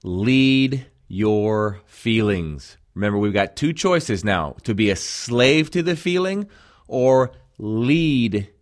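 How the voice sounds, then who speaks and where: A man's voice: fairly low pitch, lively intonation, slow pace. A man from Jamaica, speaking without an accent, earnestly talking listeners through a recorded self-help program as a coach. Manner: earnest, conversational, addresses listeners as friends.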